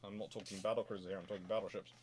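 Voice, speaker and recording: Man talking off the cuff, halting and conversational. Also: fairly low pitch, flat delivery, a little mellow, a little hiss or hum. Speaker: host of a naval history stream. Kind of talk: casual live question-and-answer talk.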